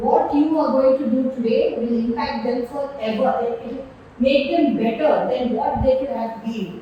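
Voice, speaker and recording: Over noticeable background noise and audible room echo, a woman speaks loudly and at a fairly slow pace, her high pitch varying in an ordinary way. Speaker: school research head, former teacher. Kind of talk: workshop address. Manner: animated. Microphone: holds mic far from mouth.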